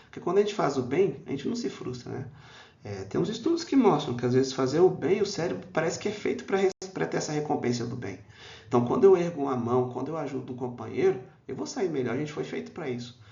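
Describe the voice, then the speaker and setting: A man's voice: on the high side, lively intonation, quick pace, creaky, dark tone. A man with a Brazilian Portuguese accent giving a spiritist lecture in a hall. He talks in a conversational way, with many "né?" asides, and acts out quoted voices. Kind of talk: public talk on a spiritist text. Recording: roomy, dull lo-fi hall recording.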